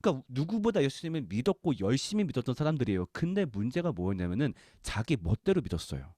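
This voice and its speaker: A man's voice: mid-range voice, very animated, fast, dark tone, no room sound, clean studio sound. A man teaching a Bible lesson in a conversational way, asking the listeners questions and acting out quotes. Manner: conversational, acts out quotes, asks the audience questions. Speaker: Bible study lecturer.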